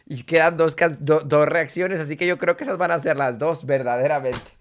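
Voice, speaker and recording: A man's voice: a little high, moderate pace. A man with a Mexican Spanish accent hosting a live reaction video, talking in a flamboyant, campy, exclamatory way.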